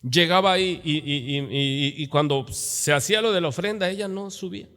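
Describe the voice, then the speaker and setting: A middle-aged man with a Mexican accent preaching a sermon as pastor, lively and acting out the voices of church members. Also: fairly high pitch, moderate pace, in a large hall. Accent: Mexican Spanish. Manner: animated, acts out church members in quoted voices. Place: church sanctuary.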